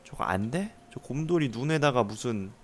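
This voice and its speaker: Animated Korean man streaming a horror game. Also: mid-range voice, normal speed, slight background noise. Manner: animated, jokey, exclaims and swears at scares. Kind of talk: casual gameplay commentary.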